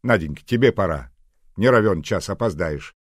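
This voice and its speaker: A man's voice: low-pitched, expressive, normal speed, no echo, studio quality, pitched above the performer's own voice. A man voicing a stern, protective older housekeeper. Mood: urging. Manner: stern, firm.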